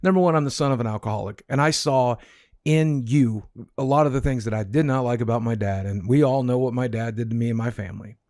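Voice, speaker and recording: A man speaking earnestly on a casual podcast, laying out his case point by point. His voice sits at a middling pitch. The sound is dry and close, with no room echo. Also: fast, darkish tone. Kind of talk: casual argumentative chat.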